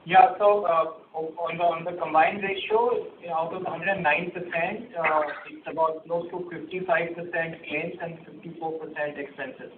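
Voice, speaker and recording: A male executive gives measured, halting answers on an earnings call. His voice sits a little high, heard over a tinny phone line with heavy room echo. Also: fairly even intonation. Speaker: company executive. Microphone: conference call phone line. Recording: echoey, noisy, phone-like conference line.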